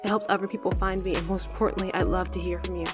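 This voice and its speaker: A woman's voice: medium pitch, flat delivery, very fast, music in the background. A woman podcast creator reading a scripted outro with an upbeat, friendly delivery. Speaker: podcast creator and sole voice actor.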